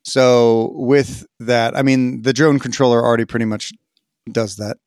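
A man co-hosting a casual gaming podcast, talking in an animated, sarcastic way. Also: medium pitch, normal speed, dry recording, clean studio sound. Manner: animated, sarcastic, swings loud and quiet. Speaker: podcast co-host.

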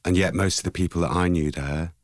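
A man in his forties, an artist, talking thoughtfully in an interview, searching for words with pauses and restarts. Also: low voice, steady tone, no echo, studio quality. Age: 40s. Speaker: artist guest. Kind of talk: reflective interview talk.

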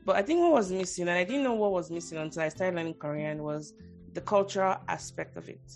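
A woman's voice: lowish voice, fast, faint music behind. A woman with a Nigerian accent hosting a podcast interview, talking in long rambling thoughts that restart often. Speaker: podcast host. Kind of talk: casual interview chat.

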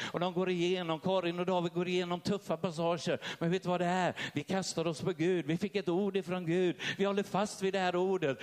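A man preaching a sermon, telling a personal story with feeling and speaking straight to his listeners. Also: on the high side. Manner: emotional storytelling, addresses listeners directly. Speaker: pastor.

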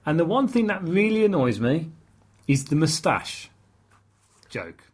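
Brit co-host, husky, animated, fed up with a bad joke. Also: male voice, a little high, unhurried. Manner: exasperated, ranting with laughs. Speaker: podcast co-host. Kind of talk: casual chat reviewing a TV episode.

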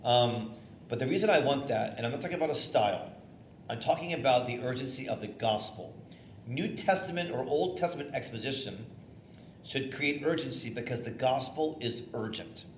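A middle-aged man, a theater-trained bishop with a loud voice, teaching preachers in a conversational, energetic way with fillers and restarts. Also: mid-range voice, moderate pace. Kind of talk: informal teaching talk on preaching. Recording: echoey room, faint noise.

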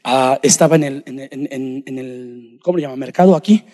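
A man preaching a sermon to his congregation, addressing them directly and swinging between shouting and hushed speech. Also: mid-range voice, moderate pace. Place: church sanctuary. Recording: long hall reverb.

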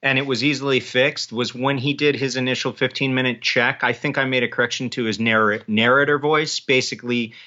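Bright male voice, slightly muffled recording. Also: mid-range voice, fairly even intonation, a little fast, few pauses. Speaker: author, interview guest. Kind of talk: casual conversational interview.

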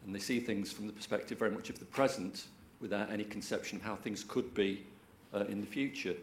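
A man in the audience making a measured, reasoned point. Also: fairly low pitch, fairly even intonation, a little hiss or hum. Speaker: audience member. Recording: roomy echo, faint ambience.

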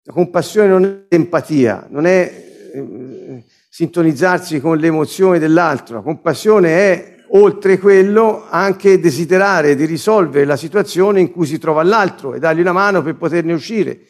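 A man's voice: fairly high pitch, normal speed. A man preaching a sermon, explaining scripture line by line and restating its words as he goes.

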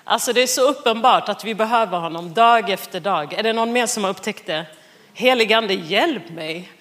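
A woman's voice: mid-range voice, fairly bright tone. A woman in her thirties preaching as a guest speaker, telling a funny personal story, laughing often and acting out the dialogue. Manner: chatty, self-mocking, laughs often; acts out quoted dialogue. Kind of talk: sermon with personal anecdote.

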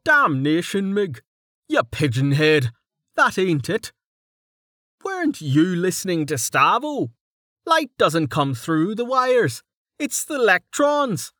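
Dell: sharp-tongued, fed-up male guard, sneering and high-strung, as the narrator puts him on; pitched well above the reading voice, dry close sound. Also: sing-song, takes it slowly, no echo. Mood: exasperated. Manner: insulting, exasperated, patronizing.

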